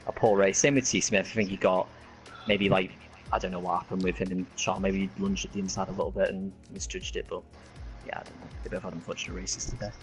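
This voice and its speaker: A man's voice: low voice, little pitch movement, fast, faint music behind, poor audio. A man giving a casual post-race interview as an online racing driver. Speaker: racing driver being interviewed, league commentator.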